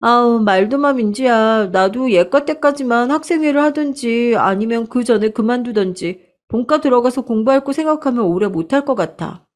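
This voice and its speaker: A chatty young woman student, frank and breezy with a friend. She speaks in a slightly high voice, as a woman narrator puts her on. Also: moderate pace, natural voice.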